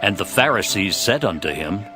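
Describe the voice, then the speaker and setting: A man's voice: low-pitched, big pitch swings, normal speed. A man narrating a dramatized scripture reading from a script. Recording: music behind the voice.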